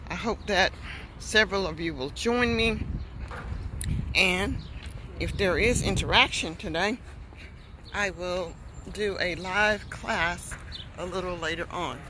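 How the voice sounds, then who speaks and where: An American woman from North Carolina, an English coach, talking slowly and deliberately to learners on a walk along a boardwalk, recorded on a phone. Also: fairly low pitch. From North Carolina, USA. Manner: slow, deliberate teacher talk while walking. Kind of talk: live-streamed walking chat. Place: outdoor boardwalk. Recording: outdoor noise with passing traffic.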